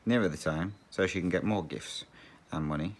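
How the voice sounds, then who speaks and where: A man's voice: deep voice, normal speed. A man hosting a cross-stitch channel, chatting casually and rambling while he stitches, often laughing.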